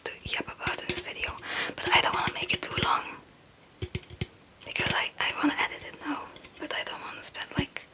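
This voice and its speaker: A young woman from Belgium, a non-native English speaker, whispering a casual, hesitant and meandering ASMR chat in a breathy voice. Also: brisk. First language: not English. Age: young adult. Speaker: ASMR video creator.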